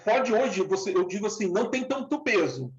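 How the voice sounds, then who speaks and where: A man's voice: high-pitched, big pitch swings, normal speed, soft background music. A man of forty, a former factory worker giving an earnest, plain-spoken account in an interview. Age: 40s. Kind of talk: casual interview talk. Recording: echoey room, dull lo-fi sound.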